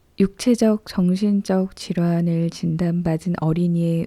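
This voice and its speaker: A woman speaks with a fairly low pitch and a dark, mellow tone. She talks calmly at a very slow pace with fairly even intonation. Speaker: audiobook reader. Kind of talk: audiobook reading, sleep-time reading ASMR. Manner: calm, soft, slow.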